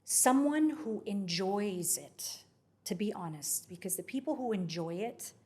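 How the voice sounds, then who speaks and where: A woman's voice: mid-range voice, expressive, a little slow, darkish tone. A middle-aged woman from Saudi Arabia with an American accent, chatting casually as an interview guest. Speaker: podcast guest, voiceover artist.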